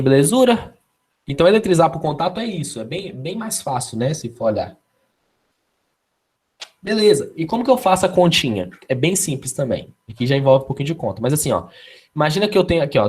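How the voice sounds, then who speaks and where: A man's voice: mid-range voice, darkish tone. A man with a Brazilian Portuguese accent teaching a live online physics class, casual and constantly checking in with his students.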